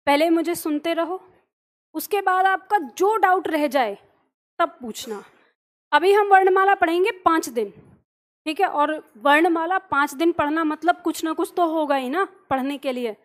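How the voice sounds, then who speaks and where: Woman teacher with a really high voice, patient, keeps asking "ok?". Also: moderate pace. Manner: patient, explanatory, often checks in with listeners. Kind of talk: classroom lesson.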